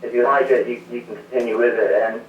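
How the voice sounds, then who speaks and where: Calling from home in South Carolina, USA, a race crew chief answers interview questions with modesty, speaking fast at medium pitch with little pitch movement. His phone connection breaks up and fades, coming through dull, distant, and echoey.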